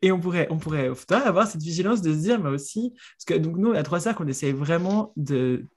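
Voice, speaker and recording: A woman's voice: low voice, animated, a little fast, a little mellow, breathy edge. A woman co-hosting a casual podcast, effusive and hesitant, restarting her sentences often. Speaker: podcast co-host.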